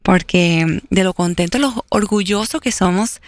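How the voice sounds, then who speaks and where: A woman's voice: medium pitch, unhurried. A woman from Venezuela with a Puerto Rican accent, talking casually and proudly as a radio host and giving the weather. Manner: chatty, proud and upbeat.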